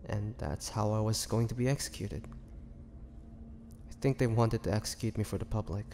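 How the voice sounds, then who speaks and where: A man playing a weary, bitter young half-vampire prisoner in a dramatic audio roleplay, speaking haltingly and sorrowfully. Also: lowish voice, dark tone, natural voice. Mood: resigned, weary. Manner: slow, halting, sorrowful delivery with sighs and pauses. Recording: long hall reverb, faint noise.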